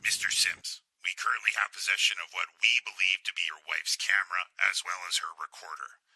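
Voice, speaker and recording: Grave, very bright-voiced sheriff, played by a man. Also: low voice, slightly rough, no echo, full character voice, low-quality recording. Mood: formal. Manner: measured, official, hesitant. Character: grave, formal male county sheriff. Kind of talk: audio drama acting.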